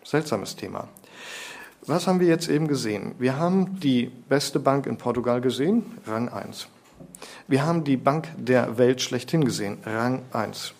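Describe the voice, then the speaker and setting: Male preacher, emphatic, lecturing, rhetorical questions, mid pitch. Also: animated, normal speed, creaky, darkish tone. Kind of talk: sermon.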